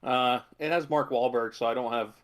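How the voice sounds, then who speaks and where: A man co-hosting a podcast, chatting casually about movies in a low-key, hesitant way. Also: fairly even intonation, normal speed. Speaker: podcast co-host.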